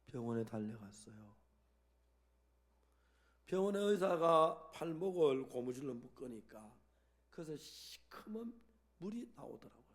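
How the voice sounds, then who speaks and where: Higher-voiced pastor telling a story. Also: male voice, big pitch swings, unhurried, pauses often. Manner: storytelling, acting out dialogue with swings in loudness. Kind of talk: sermon.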